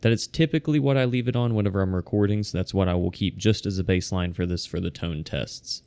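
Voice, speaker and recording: A man casually reviewing gear from his home desk, talking in a relaxed, conversational, self-deprecating way into a close desk microphone. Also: sits low, fast talker, smooth. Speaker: tech reviewer. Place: home desk in a corner facing two walls. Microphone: close condenser desk mic.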